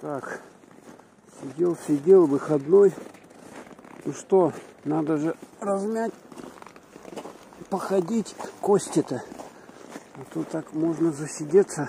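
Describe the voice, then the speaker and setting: Long, frequent pauses break up this very slow delivery, heard as a dry sound with no echo over light background noise. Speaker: vlogger. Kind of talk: casual vlog chat. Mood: relaxed, content. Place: street. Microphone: phone near.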